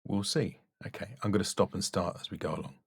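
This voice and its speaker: Low-voiced man coaching, very dry sound. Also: fairly even intonation, fast, gravelly, slightly rough, no echo. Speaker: voice-over coach reviewing demo reels. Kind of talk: spoken critique and coaching.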